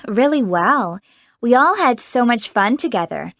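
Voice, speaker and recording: A woman playing a cheerful American teenage girl actress in a scripted interview, chatty and quick to laugh, with an American accent. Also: on the high side, expressive, fairly bright tone, no room sound, clean studio sound. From United States. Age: teens. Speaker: young film actress being interviewed. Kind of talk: scripted exam-recording interview.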